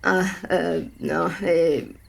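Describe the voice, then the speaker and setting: A woman playing a shy, sentimental young man who speaks haltingly. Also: fairly low pitch, fairly even intonation, vocal fry, full character voice.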